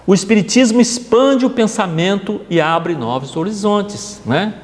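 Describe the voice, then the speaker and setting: A man's voice: sits high, lively intonation, measured pace. Man lecturing in a reverberant hall. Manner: conversational, checks in with the audience often. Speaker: spiritist lecturer. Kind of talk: gospel study talk. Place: spiritist center hall.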